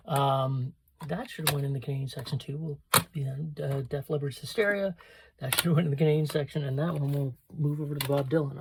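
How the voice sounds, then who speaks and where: A middle-aged man chatting casually and unscripted as he shows off items as a store owner, in a halting, rambling way that often interrupts itself. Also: on the high side, gravelly, noisy background. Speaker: vintage store owner presenting a haul. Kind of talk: casual unscripted show-and-tell chat.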